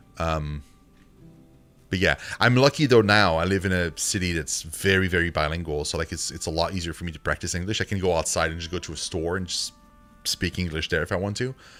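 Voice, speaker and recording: With music in the background, a man speaks at a moderate pace in a very deep, low voice with ordinary pitch variation. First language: French. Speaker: gaming streamer. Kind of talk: casual chat. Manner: halting with many repeated words.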